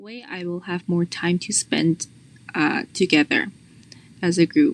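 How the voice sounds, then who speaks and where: A woman with a Korean accent speaks at a fairly slow pace and fairly low pitch, her loudness swinging widely in a dry, close sound with no echo. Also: ordinary pitch variation. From South Korea. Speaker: English exam student. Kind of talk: exam speaking practice.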